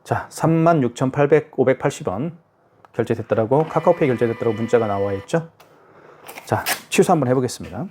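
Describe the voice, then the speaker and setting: A man's voice: medium pitch, expressive, a little fast, mellow. A man giving a casual product tutorial, narrating each step aloud and checking in with the viewer. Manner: chatty, self-narrating each step, frequent "자" and "그죠?". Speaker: product demonstrator. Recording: faint hiss with device clicks.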